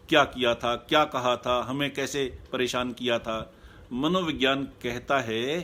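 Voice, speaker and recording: Male coach, mid-pitched, calm and measured, repeats key points to a live online audience; faint noise behind. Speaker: happiness coach.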